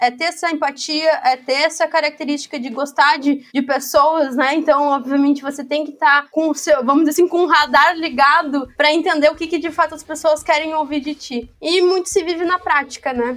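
Speaking in a southern Brazilian accent at a moderate pace with hardly any pauses, a woman's high voice shows ordinary pitch variation against noticeable background noise. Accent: gaúcho (southern Brazilian). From Rio Grande do Sul, southern Brazil. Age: 20s. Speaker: community manager and master's student. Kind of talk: casual podcast interview.

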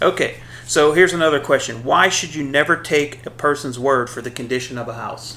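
A man with an American accent and an ordinary speaking voice talks at a fairly quick pace and fairly high pitch, with ordinary pitch variation and big swings in loudness. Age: 50s. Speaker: real estate investor and trainer. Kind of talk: podcast instruction.

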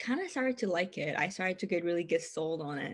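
A woman speaks in a Cuban accent at medium pitch. The recording is very clean, with a silent background. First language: Spanish. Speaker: therapist and content creator. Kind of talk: casual interview chat.

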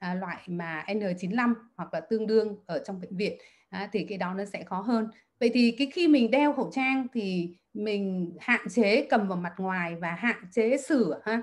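This woman has a normal speaking voice at a medium pitch. She talks at a fairly slow pace with ordinary pitch variation. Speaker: health expert. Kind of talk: informative talk. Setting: video call.

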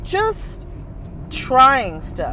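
A woman talking at a very slow pace, with audible room echo and noticeable background noise. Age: 50s. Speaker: blogger. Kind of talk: personal monologue. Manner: casual, hesitant with fillers.

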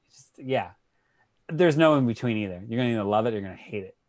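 A man with an American accent and ordinary pitch variation, in a very clean recording with a silent background. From Massachusetts, Worcester. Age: 30s. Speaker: professional dancer. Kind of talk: casual chat.

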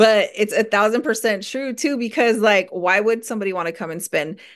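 A woman with an American accent speaks at a moderate pace with ordinary pitch variation, a normal speaking voice against a quiet background. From California, Bay Area. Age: 40s. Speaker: barber and educator. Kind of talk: casual chat.

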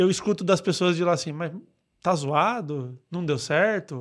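A man's high-pitched, animated voice with a São Paulo accent, on a very clean recording with a silent background. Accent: São Paulo (paulista) Brazilian Portuguese. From Mauá, greater São Paulo, Brazil. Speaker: neuroscience and communication specialist. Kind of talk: casual interview chat. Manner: animated, slangy.

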